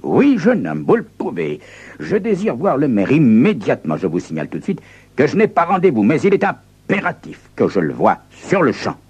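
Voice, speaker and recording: A man voicing a prim, haughty gentleman who speaks in a formal, smugly calm way. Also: mid-range voice, normal speed, husky, pitched above the performer's own voice. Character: prim, haughty gentleman carrying a ticking box.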